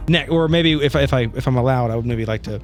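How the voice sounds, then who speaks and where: A man's voice: mid-range voice, fast talker, a little mellow, soft background music. A man chatting casually as a tabletop player, rambling and informal as he talks.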